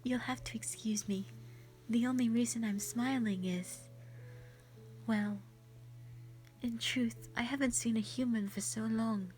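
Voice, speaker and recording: A woman voicing a gentle, lonely female white dragon in a roleplay audio drama, speaking softly and breathily in a sweet, formal, hesitant way. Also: a little high, fairly even intonation, a little slow, pauses often, soft background music, natural voice, low-quality recording. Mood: shy, friendly. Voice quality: soft, breathy, often whispery.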